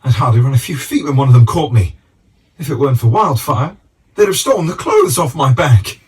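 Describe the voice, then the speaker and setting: An actor playing a weary, bewildered old British miner in a video game, hesitant and complaining. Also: male voice, medium pitch, very animated, a little fast, darkish tone, recorded from a distance, lightly acted. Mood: weary, aggrieved. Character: weary, put-upon old miner, grandfatherly and forgetful.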